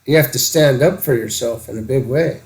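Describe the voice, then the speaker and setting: A man in casual, reflective conversation, halting and tentative as he searches for words. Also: medium pitch, rough recording.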